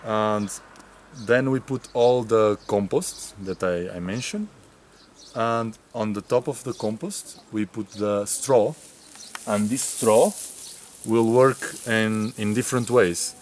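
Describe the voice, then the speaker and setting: Man, low and deliberate delivery, pausing to find words, outdoor garden with faint noise. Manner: unhurried, searching for words with many fillers. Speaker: volunteer explaining gardening work. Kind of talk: casual explanation.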